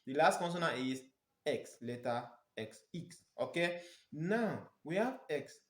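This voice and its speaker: A man with a Nigerian accent teaching a language lesson in a didactic, emphatic way, repeating phrases slowly for pronunciation. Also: on the high side, lively intonation. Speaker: French teacher. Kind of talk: instructional language lesson, step by step. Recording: echoey, reverberant room.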